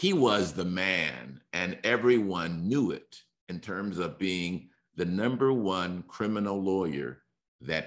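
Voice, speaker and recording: Over a quiet background, a man with a very deep, low pitch and vocal fry speaks at a very slow pace with lively intonation. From Los Angeles, US. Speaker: trial lawyer. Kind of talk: interview conversation.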